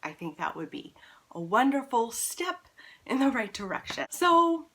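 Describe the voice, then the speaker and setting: A woman's voice: a little high, big pitch swings, measured pace, a bit bright, a little hiss or hum. A woman talking casually to camera as a vlog host, earnest and emphatic, repeating words for emphasis. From Canada. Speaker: book vlogger, channel host.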